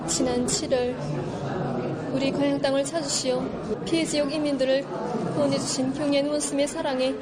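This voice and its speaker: A young woman with a North Korean accent delivers prepared remarks. Her voice is high with little melodic movement, and a loud crowd is heard behind her. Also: little pitch movement, normal speed.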